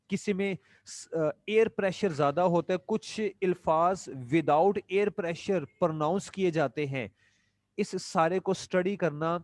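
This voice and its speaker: A man gives a lecture in a fairly high voice. He reads each English line slowly and carefully, then explains it in Urdu. The recording is dry and close, with almost no room sound. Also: no echo. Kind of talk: classroom lecture.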